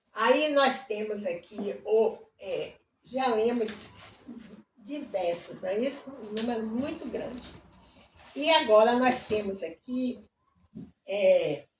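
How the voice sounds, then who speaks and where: A woman reads hymn verses and then prays earnestly in a devotional. Her voice is at a middle pitch and sits back from the mic. The room rings with echo, and a faint hiss runs underneath. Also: far from the mic. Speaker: Bible reader leading devotions. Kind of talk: devotional reading and prayer. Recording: roomy sound from off-mic, faint background noise.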